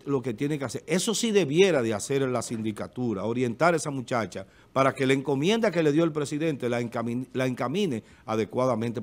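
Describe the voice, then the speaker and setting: A middle-aged man with a Dominican accent, giving emphatic political commentary as a TV panelist at a desk microphone. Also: medium pitch. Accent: Dominican Spanish. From Dominican Republic. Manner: emphatic, gestures with hands, repeats filler eh. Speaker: panelist on a local TV talk show. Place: TV studio. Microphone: desk studio microphone.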